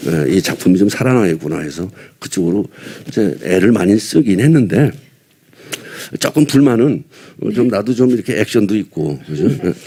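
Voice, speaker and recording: A man's voice: on the low side, animated, moderate pace, warm tone, breathy edge. An older man from Seoul, a veteran actor, chatting casually at a press event, rambling and self-deprecating with little chuckles between thoughts. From Seoul, South Korea. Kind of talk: casual press-conference chat.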